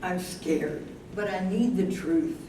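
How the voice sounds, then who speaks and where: Slow and warm in tone, a woman with a lowish voice plays an anxious, thoughtful professor's wife worried about her memory. It's a live staged reading in a room, and the distant recording is noisy and echoey.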